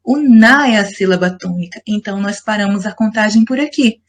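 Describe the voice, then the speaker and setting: A woman's voice: medium pitch, brisk. Patient woman teacher explaining. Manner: patient, explanatory, asks the class rhetorical questions. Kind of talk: recorded online lesson.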